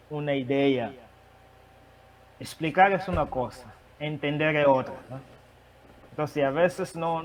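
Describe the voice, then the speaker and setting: A man who is not a native Spanish speaker, preaching and sharing a testimony, with a halting manner and many restarts. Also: mid-range voice, recorded from a distance, rough recording. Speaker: guest preacher. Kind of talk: sermon testimony.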